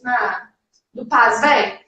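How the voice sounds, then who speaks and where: High-voiced woman co-teacher, echoey and distant. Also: takes it slowly, bright, forceful tone. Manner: short agreeing interjections. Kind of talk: casual Instagram Live lesson.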